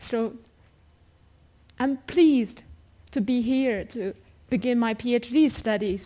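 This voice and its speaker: Speaking at a very slow pace, a woman uses a high pitch with ordinary pitch variation. She talks with a Chinese accent. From China. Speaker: student. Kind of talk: conference speech.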